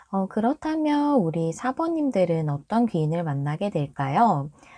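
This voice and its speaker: A dark, mellow voice moves through very wide pitch swings at a fairly slow pace over a quiet background. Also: woman. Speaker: tarot reader. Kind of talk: tarot reading video. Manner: hesitant, stumbles over words.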